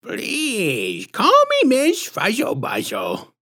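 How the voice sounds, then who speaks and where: A man's voice: high-pitched, wildly swooping pitch, bright, forceful tone, pitched above the performer's own voice, full character voice. Man putting on a creepy, lisping, syrupy huge woman. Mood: sickly sweet. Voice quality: squishy-throated lisp. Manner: syrupy baby talk, drawn-out words. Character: huge, creepy, patronizing woman posing as children's doctor.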